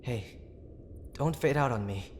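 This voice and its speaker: A young boyfriend played by a male voice actor, gruff but tender and deeply worried. He speaks slowly and haltingly at a middle pitch, pleading in an intimate audio drama style. Storm ambience runs behind his voice. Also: animated, a little hiss or hum. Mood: reassuring, anxious. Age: young adult. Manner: halting, pleading, with sighs and breathy asides.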